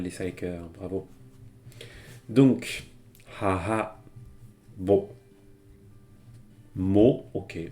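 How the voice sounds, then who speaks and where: A man with a low, mellow voice teaches Japanese over a live stream from home. The lesson is chatty and relaxed, peppered with fillers, and he laughs a lot while explaining.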